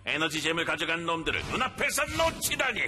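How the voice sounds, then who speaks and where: Theatrical, swooping cartoon villain boss. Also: male voice, a little high, big pitch swings, fast talker, heavy background noise. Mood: scornful. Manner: sneering, menacing, grandly theatrical. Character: scheming male villain boss, contemptuous, gloating, theatrical. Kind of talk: children's cartoon voice acting. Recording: loud music behind the voice.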